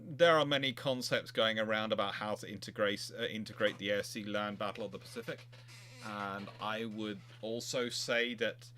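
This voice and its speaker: A man hosting an informal expert chat, answering questions in a halting way with frequent restarts. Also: on the low side, steady tone, sharp tone. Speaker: host of a naval history live chat.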